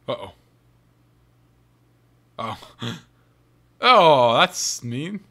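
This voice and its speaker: A man's voice: medium pitch, sing-song, drawn-out words, sharp tone. A man giving casual let's play commentary, muttering wry asides to himself as he goes. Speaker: gaming video host. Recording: game music behind the voice. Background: video game music.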